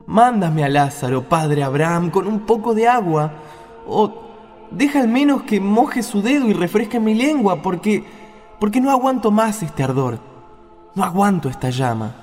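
A man's voice: high voice, very animated, moderate pace, a little mellow, long reverb tail, faint music behind. A man playing a tormented rich man who pleads in anguish from the flames, in a radio play. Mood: anguished pleading.

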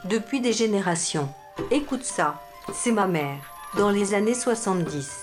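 A woman's voice: mid-range voice, animated, a little slow, faint music behind. A synthetic female voice playing a nostalgic, earnest talking-clock announcer in a scripted comic dialogue. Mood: nostalgic, proud. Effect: text-to-speech voice.

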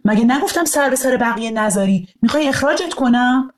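A woman's voice: a little high, animated, pitched above the performer's own voice, close to an everyday voice. A woman voicing a stern, scolding male school principal in an audio storybook over guitar music.

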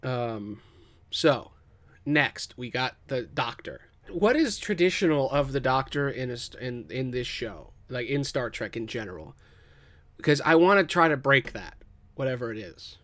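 Man co-host, mid pitch, casual swearing brainstormer, dry close recording. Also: animated, unhurried, a bit bright, dry recording. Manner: loose and profane, many fillers.

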